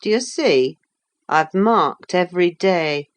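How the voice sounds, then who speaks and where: A brooding, resentful young man who speaks low and sullen, read by a woman. The delivery is very slow and measured, with little change from the reader's own voice. It sounds like an audiobook scene. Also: expressive.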